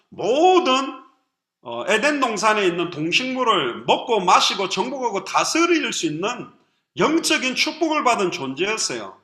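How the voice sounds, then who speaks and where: A man preaching a sermon as pastor, animated and lively. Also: high voice, echoey room. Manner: lively preaching with acted quotes.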